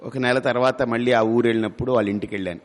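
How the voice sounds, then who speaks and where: A man's voice: medium pitch, fairly even intonation, rapid-fire. A man as spiritual teacher giving a discourse, conversational, with rhetorical questions and humorous asides. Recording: long hall reverb.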